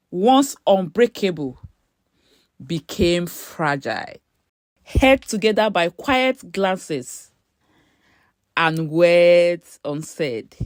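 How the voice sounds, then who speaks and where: A woman tells a dramatic scripted story at a slow pace. She places her phrases deliberately, in short pieces. The recording is dry, with no audible room. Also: on the low side, dry recording.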